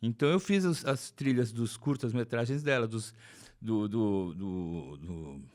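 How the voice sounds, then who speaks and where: A man at a medium pitch with very wide pitch swings and a very slow pace, on a very clean recording with a silent background. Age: 60s. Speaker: film composer. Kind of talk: podcast interview. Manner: talkative.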